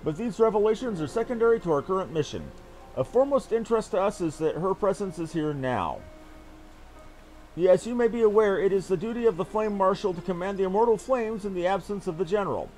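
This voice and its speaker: Grave military captain for a fantasy game, played by a male streamer: formal, archaic, stern, lively intonation. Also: sits high, brisk, soft background music, poor audio. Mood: stern, intent. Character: earnest military captain briefing an ally on a spy hunt. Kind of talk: reading fantasy game dialogue aloud.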